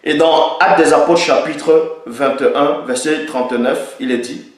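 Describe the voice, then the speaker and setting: Guy ranting his opinion, keeps repeating stuff for emphasis, slightly high voice, super echoey room. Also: fairly even intonation, measured pace. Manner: emphatic, repeats points for stress. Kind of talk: opinion monologue, citing the Bible.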